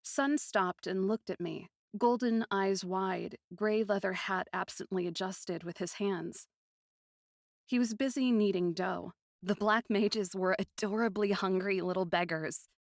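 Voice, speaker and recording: A woman narrates a story in the first person. Her mid-pitched voice is deliberate and poetic, often hushed and dramatic. The recording is close and very dry. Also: dry recording.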